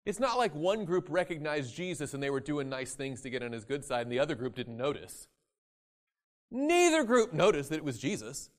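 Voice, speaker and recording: A man preaching a sermon, acting out quoted voices and swinging from loud emphasis to quiet asides. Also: a little high, lively intonation, brisk. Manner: dramatic, acts out voices in quoted scripture.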